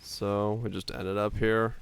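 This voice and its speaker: A man's voice: on the low side, unhurried, clear, resonant tone. A Finnish-born man whose first language is Finnish, a streamer chatting casually with his viewers as he plays and answering their questions. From Finland. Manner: relaxed, answers chat questions, laughs easily. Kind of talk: casual chat with viewers while gaming.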